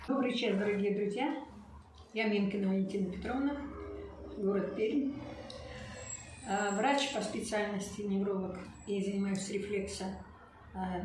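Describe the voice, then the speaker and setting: Woman, testimonial, animated, halting, echoey room, distant from the mic, faint noise. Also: medium pitch. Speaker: neurologist giving a testimonial.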